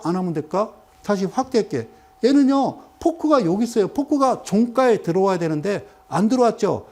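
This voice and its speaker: Over a stock chart, a middle-aged man lectures viewers in a high-pitched voice. He is animated, peppering his talk with rhetorical questions and sudden exclamations.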